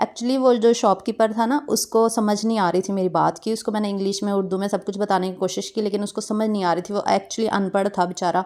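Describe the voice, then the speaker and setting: A woman with a Punjabi accent speaks at a medium pitch with fairly even intonation and hardly any pauses, on a very clean recording with a silent background. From Punjab, Pakistan. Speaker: vlogger. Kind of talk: cooking tutorial; casual chat.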